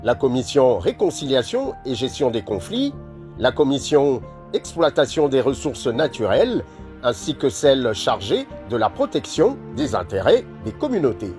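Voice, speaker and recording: Male news narrator, highly animated intonation, light music underneath. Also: normal speed. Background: music bed.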